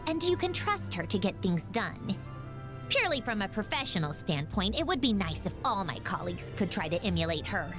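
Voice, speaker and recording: An actress playing a proud young woman inventor in a video game, haughty and sardonic yet composed. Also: a little high. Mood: measured, respectful. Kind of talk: video game character voice lines. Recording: background music.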